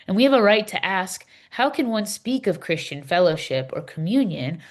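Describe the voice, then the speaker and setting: A woman playing an earnest, impassioned Palestinian Christian in a scripted readers theater dialogue, speaking in a measured, emphatic way. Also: mid-range voice, very animated, close to an everyday voice. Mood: indignant, grave.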